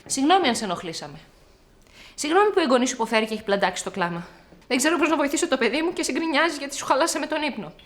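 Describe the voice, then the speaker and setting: A woman's voice: high voice, lively intonation. An actress playing a tired, irritable middle-aged mother who talks in snappy, exasperated bursts in a TV drama. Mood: irritated. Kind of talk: TV drama acting.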